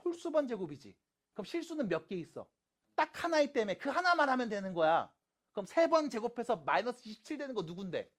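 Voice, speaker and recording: A middle-aged man teaching a math lesson, asking quick questions and answering them himself. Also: very high-pitched. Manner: lively, asks and answers own questions. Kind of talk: lecture.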